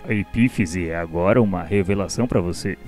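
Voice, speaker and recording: A wise, generous mentor of souls, acted by a man teaches in a radio drama with a Brazilian accent. The voice is fairly low, the delivery measured and formal. Faint music plays underneath. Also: darkish tone, close to an everyday voice. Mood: calm, instructive. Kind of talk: scripted radio drama lecture.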